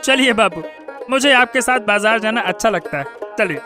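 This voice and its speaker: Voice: mid-range voice, expressive, normal speed, music in the background, pitched above the performer's own voice, close to an everyday voice. A man voicing a cheerful, eager young male servant in a cartoon story, playful and obliging. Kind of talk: cartoon voice acting.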